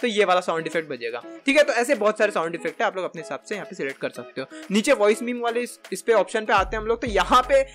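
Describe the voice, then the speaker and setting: Talking fast with few pauses, this twenty-something presenter walks gamers through software over screen capture from a gaming chair in an indoor room. His voice is high and very animated, his tone casual and chatty as he blends Hindi with English tech words over background music.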